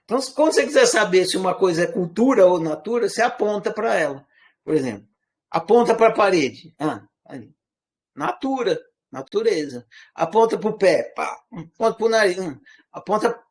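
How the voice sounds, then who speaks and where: High-voiced man with a mineiro-caipira accent. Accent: Brazilian Portuguese, part Minas Gerais, part rural caipira. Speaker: teacher. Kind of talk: informal spoken lecture.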